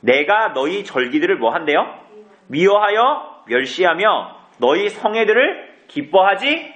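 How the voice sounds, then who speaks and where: The pastor's high, somewhat bright voice rises and falls dramatically as he unhurriedly works through Scripture at an evening service. He asks the congregation questions, then supplies the answers, his words echoing through the church sanctuary.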